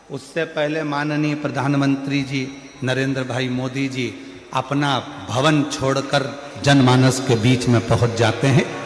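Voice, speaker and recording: A man's voice: on the high side, a bit bright. A man preaching a devotional sermon, telling a story with emphatic repetition. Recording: echoey hall reverb.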